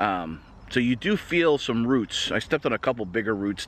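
A man's voice, bright and sharp in tone, in a dry space with no echo. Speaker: trail runner reviewing shoes. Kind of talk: casual vlog chat. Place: waterside. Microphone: phone near.

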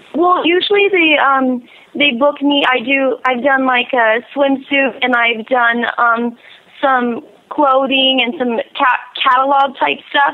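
A woman's high-pitched, very slow speech with ordinary pitch variation and very even loudness, over noticeable background noise. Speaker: actor. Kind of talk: radio interview.

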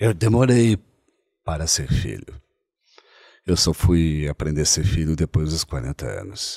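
A man with a very deep, low voice speaks at a fairly slow pace, leaving long, frequent pauses. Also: lively intonation, very clean recording, silent background. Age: 50s. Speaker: poet and writer. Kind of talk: interview conversation.

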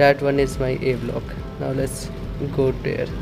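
Music plays in the background. A man speaks at a fairly slow pace. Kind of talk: casual vlog tour narration. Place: street. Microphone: phone near.

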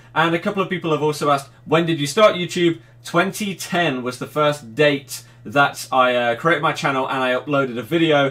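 Speaking at a fairly quick pace with an East Midlands accent, the man has a fairly high pitch. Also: ordinary pitch variation. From England, East Midlands. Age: 20s. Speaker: gaming YouTuber and streamer. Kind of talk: casual Q&A monologue to camera. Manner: casual, frequent filler 'uh'. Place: home room. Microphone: webcam.

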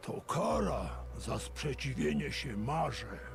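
A man talks in a put-on character voice at a fairly slow pace. Music plays clearly behind him. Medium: machinima. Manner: gruff, bitter.

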